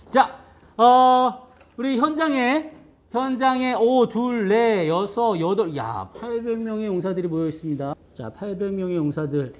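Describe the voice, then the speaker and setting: A man's voice: sits high, animated, measured pace. A middle-aged male pastor leading a children's worship service, playful and cheerful, calling out names and counting aloud. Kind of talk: lively children's worship greeting. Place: church sanctuary.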